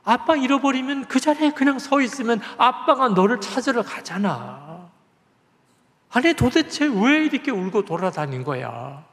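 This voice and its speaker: Male preacher doing a frantic father scolding his lost daughter: loud, exasperated, high-pitched, echoing hall. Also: very animated, normal speed, exaggerated voice. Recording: reverberant church hall.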